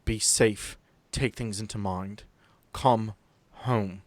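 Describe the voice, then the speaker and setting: A man voicing a grave, commanding woman boss who briefs her agents in a tabletop game, measured and earnest. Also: fairly low pitch, steady tone, dry recording.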